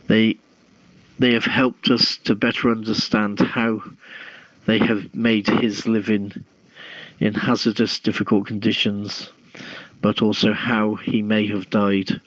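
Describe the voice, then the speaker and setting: A man hosting a talk show, reading news stories aloud with a halting delivery and repeated words, through a dull microphone. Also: lowish voice, a bit bright, no echo. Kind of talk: reading a news article aloud, with casual chat.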